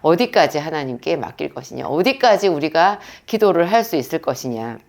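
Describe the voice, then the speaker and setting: Animated, low-voiced woman teaching prayer. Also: brisk, gravelly. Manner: earnest, animated storytelling with quoted dialogue. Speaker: pharmacist and pastor's wife teaching prayer. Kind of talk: prayer lecture.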